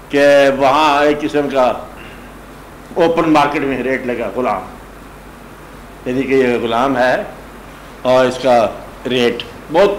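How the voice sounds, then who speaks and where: Speaking on the high side, a man teaches a gathering as a spiritual teacher, his religious discourse relaxed and conversational. As he retells a story he often asks if people follow him, while slight background noise and faint ambience fill an echoey room.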